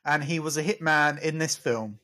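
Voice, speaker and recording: A man's voice: fairly high pitch, normal speed, sharp tone. A man, co-hosting a podcast and running a quiz in an upbeat, chatty way that breaks easily into laughter. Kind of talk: casual chat.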